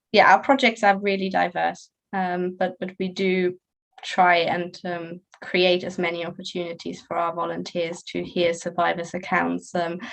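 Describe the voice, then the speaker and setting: The woman's intonation is monotone and flat. She speaks at a moderate pace. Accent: slight German. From Germany. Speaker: volunteer program coordinator. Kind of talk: panel discussion. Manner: hesitant, many fillers.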